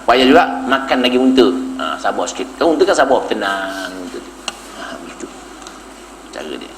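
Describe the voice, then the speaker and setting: A man with a Malaysian Malay accent preaching a humorous sermon, telling stories with sudden high-pitched punchlines and laughing at his own jokes. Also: a bit bright, a little hiss or hum. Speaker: Islamic preacher. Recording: echoey hall, faint background ambience.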